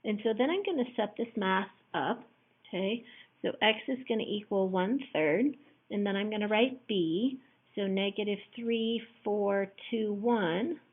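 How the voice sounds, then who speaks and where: A woman math teacher with a hoarse voice walks through a lesson patiently, one step at a time. Her voice sounds thin and tinny, as though it came down a phone line. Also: mid-range voice. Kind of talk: recorded classroom lesson.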